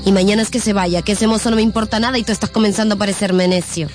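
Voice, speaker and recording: A woman's voice: medium pitch, steady tone, racing, a little mellow, natural voice. An actress playing a proud, teasing young gypsy woman, self-assured and chiding, in a radio drama. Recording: music behind the voice.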